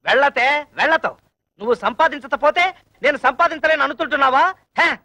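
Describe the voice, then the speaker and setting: A lisping blowhard husband. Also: male voice, extremely high pitch, fairly quick, pushed and bright, no echo, full character voice. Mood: boastful. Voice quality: lisping childlike speech. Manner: boastful, blustering. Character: boastful lisping man, an auto driver. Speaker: auto driver husband. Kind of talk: film comedy acting.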